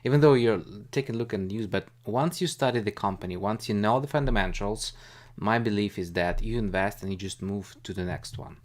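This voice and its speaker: A man's voice: on the low side, brisk. A man hosting a live stream, talking casually and a bit hesitantly in a rambling, informal way about investing.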